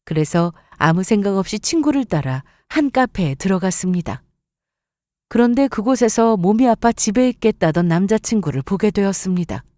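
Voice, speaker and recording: Female story narrator, mid-pitched, dark mellow voice, scripted first-person delivery. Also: animated, normal speed, no room sound, studio quality.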